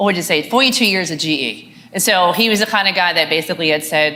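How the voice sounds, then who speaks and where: With a Philadelphia accent, a woman of medium pitch talks very fast in an animated tone with lively intonation, and audible room echo surrounds her. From Philadelphia, US. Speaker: business owner and speaker. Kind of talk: fireside chat on stage. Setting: stage with audience.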